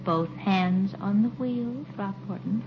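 A woman's voice: mid-range voice, slow, noisy background, natural voice. An actress playing a prim, patient middle-aged woman in a 1950s radio sitcom. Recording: muffled old radio broadcast with music.

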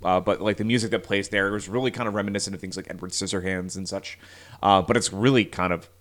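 Low-voiced guy chatting about movies on a podcast, rambly. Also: steady tone, fast talker, fairly bright tone. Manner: chatty, laughs often, trails off. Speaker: podcast co-host. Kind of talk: casual movie discussion.

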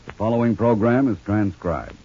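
A man chanting a slow slogan as an announcer on an old-time radio show, heard through a muffled old radio transcription. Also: lowish voice, sing-song, creaky, mellow, slightly rough.

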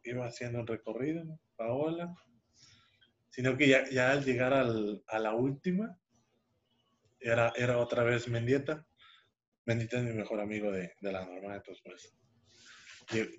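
A young man tells a personal story on a podcast, rambling with restarts and fillers. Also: mid-range voice. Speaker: podcast co-host. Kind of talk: casual storytelling. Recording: dull lo-fi sound.

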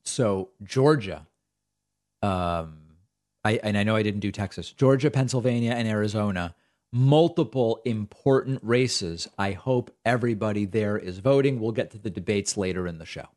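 A man's voice: on the low side, moderate pace, a little mellow. Exasperated, sarcastic male political talk host. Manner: sarcastic, exasperated, reads quotes aloud with emphasis. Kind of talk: opinionated political commentary.

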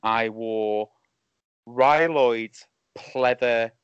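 A man in his thirties with a lisp, talking casually as a podcast guest over a remote call, self-deprecating and halting. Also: mid-range voice, clean tone, no echo. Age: 30s. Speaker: podcast guest, wrestling referee. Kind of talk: casual chat. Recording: dull lo-fi call audio.

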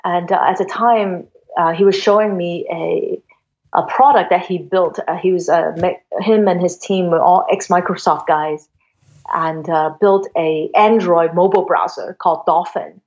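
A woman from Hong Kong in her forties, talking as a guest in a relaxed, meandering way and restarting her sentences often. Her voice sits a little low, and the recording sounds dull and lo-fi. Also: a little slow. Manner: chatty, many fillers and restarts. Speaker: guest, venture investor. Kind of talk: casual interview storytelling.

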